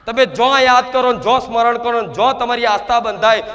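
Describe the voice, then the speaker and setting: A man, speaking loudly as a spirit medium in a trance sermon to devotees, full of repetition and rhetorical questions. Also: very high-pitched, fairly even intonation, moderate pace. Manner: loud, shouting, declamatory.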